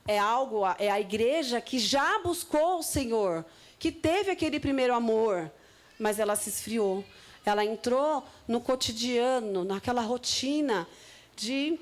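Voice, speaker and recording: A woman with a Brazilian Portuguese accent preaching a sermon, reading scripture aloud slowly and then explaining it in loose, conversational asides. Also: a little high.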